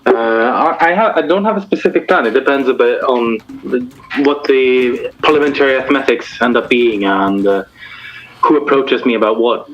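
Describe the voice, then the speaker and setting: A man's voice: medium pitch, normal speed, fairly bright tone. A man guesting as an election candidate, answering plainly and in an understated way. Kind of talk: casual interview. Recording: dull lo-fi mic.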